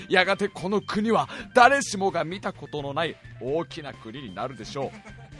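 A man voicing a loyal soldier ant in a radio monologue, with a hoarse, formal, earnest delivery to his queen. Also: on the high side, fairly bright tone. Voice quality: hoarse, raspy.

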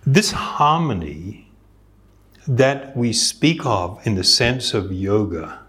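Slow, earnest man giving a yoga talk. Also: lowish voice, expressive, fairly bright tone. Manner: reflective, earnest, with occasional chuckles. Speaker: yoga teacher. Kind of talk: spiritual talk.

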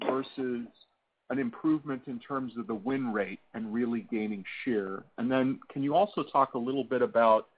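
Male analyst phoning in questions to an earnings call, husky, halting delivery, thin telephone sound. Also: mid-range voice. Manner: halting, searching for words. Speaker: financial analyst asking questions. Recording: narrow muffled phone line.

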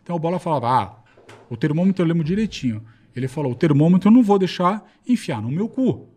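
A man who used to produce a show, hosting a podcast and telling stories in rapid, laughing chat. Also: sing-song, darkish tone. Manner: rapid, laughing, drops to a low mutter in asides. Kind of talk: casual storytelling chat.

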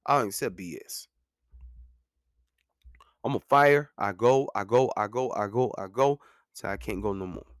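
A man's voice: on the low side, moderate pace, pauses often, no room sound, studio quality. A man in his thirties talking casually and earnestly about his own experience as a podcast host, repeating lines for emphasis and dropping in "man" and "you know what I'm saying.". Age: 30s. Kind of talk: casual monologue.

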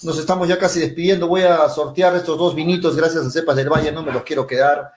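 A man's voice: on the high side, steady tone, fast, noisy background. A man hosting a casual live show, upbeat, wrapping up and reading comments. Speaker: host.

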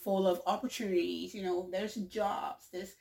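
A woman's voice: mid-range voice, little pitch movement, moderate pace, vocal fry, a little mellow, low-quality recording. A young woman from Liberia, hosting her own vlog in a casual, upbeat way, repeating herself and using many fillers. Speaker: vlog host and singer. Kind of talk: casual talk to camera. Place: Canada.

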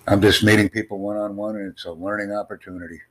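A man with a very deep, low voice hosts an online chat. He speaks in measured, formal sentences, pitching his ideas like a presentation. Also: level tone. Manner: formal, promotional, measured delivery. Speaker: host of online conversation. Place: in the United States.

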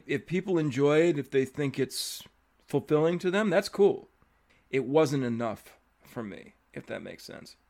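A young man hosting a podcast in a casual interview chat, relaxed and talkative, letting his thoughts trail off. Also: on the high side, measured pace, gravelly. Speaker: podcast host.

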